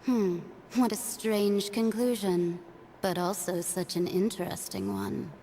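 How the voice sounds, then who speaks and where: Mysterious wandering sorceress for a game actress: unhurried, poised, amused and cryptic, mid-pitched, slight background noise. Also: female voice, dark tone, natural voice. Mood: serene, amused. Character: serene, enigmatic wandering mage woman, amused and cryptic. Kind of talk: video game voice acting.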